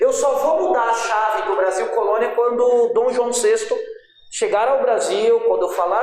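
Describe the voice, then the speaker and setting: Against noticeable background noise and audible room echo, a man speaks at a moderate pace. His pitch is extremely high for a man, with ordinary variation. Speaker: history teacher. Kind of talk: live online class lecture. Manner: casual, slangy.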